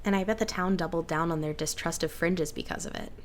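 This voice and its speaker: A woman playing low-voiced, cautious Sybil. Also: fast, slight background noise, natural voice. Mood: resigned. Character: Sybil, cautious, resigned female cryptid in a small town. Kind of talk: naturalistic audio drama dialogue.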